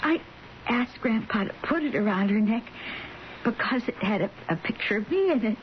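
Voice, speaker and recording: A woman's voice: a little high, expressive, moderate pace, lightly acted. An actress playing a devoted, tender daughter at her mother's sickbed in a radio drama, earnest and emotional. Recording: muffled, hissy radio broadcast.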